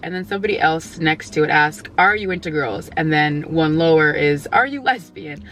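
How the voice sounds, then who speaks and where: A woman in her twenties chatting casually to camera, answering viewer questions with jokes, lots of "like" and sudden loud outbursts. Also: low-pitched, normal speed. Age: 20s. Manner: playful, laughs often, jokey and oversharing; bursts into loud exclamations.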